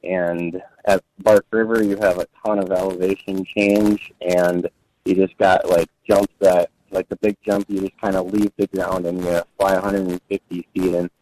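Low, flat-voiced man on a phone call. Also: normal speed, a little hiss or hum. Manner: laid-back, many "uh" fillers and trailing sentences. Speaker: off-road buggy racer guest. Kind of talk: casual interview answers. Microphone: phone line.

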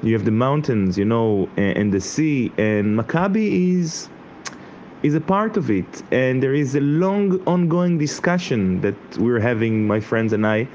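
A man's voice: medium pitch, animated, unhurried, a little mellow. A man, talking casually and hesitantly as a football fan guest. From Israel, Haifa. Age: 40s. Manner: conversational, hesitant, filler-heavy. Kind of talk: casual personal talk in English. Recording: muffled, lo-fi, clearly noisy ambient sound.

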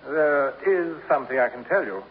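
Male actor as a fussy, pompous poet; lively, ornate delivery; thin, hissy vintage radio sound. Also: mid-range voice, moderate pace, lightly acted. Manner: grandiloquent, formal, addresses others as sir. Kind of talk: 1950s radio drama acting. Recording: tinny, hissy old radio broadcast.

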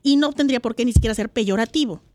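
A woman actress with a Mexican accent, talking as a guest in a casual interview, expressive and often restarting her sentences. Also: a little high, fast, no room sound. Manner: animated and expressive, with frequent restarts.

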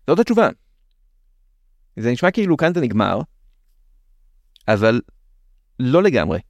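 The host of a science explainer show, a man with an Israeli accent, explains things conversationally, tossing in playful questions and asides. His mid-range voice is very animated, and the recording is dry and dull.

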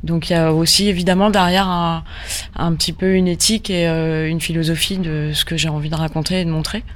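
A woman from Normandy, a photographer guest in a radio interview, who talks in a halting way with many fillers and restarts. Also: low-pitched, fairly even intonation. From Normandy, France.

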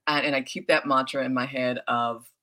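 A woman's voice: extremely low pitch, fairly even intonation, moderate pace, sharp tone. A woman, an actress and founder, answering interview questions in a chatty way with many hesitations. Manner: chatty, many ums, laughs easily.

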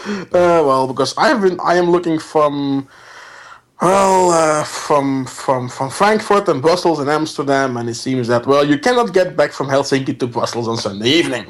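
A man's voice: on the high side, normal speed. A man co-hosting a casual radio show, full of stammered restarts and easy laughter. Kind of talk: casual chat.

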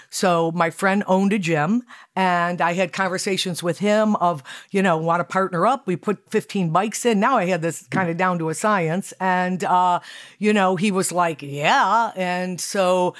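A woman's voice: on the low side, measured pace. Enthusiastic woman telling her story. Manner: enthusiastic, animated, acts out quotes. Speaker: guest, fitness studio founder. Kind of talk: conversational interview storytelling.

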